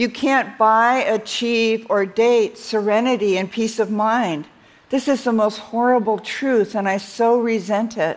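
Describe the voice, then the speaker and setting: A woman speaks with an American accent in an unremarkable speaking voice, at a fairly slow pace. Her pitch is fairly high and her intonation fairly even. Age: 60s. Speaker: writer giving a talk. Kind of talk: inspirational talk. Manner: humorous, warm delivery.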